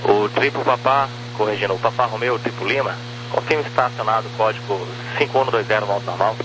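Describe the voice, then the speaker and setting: A man's voice: on the low side, brisk, over music. A Brazilian man working as an air traffic controller, giving instructions over aviation radio. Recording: humming, noisy radio transmission.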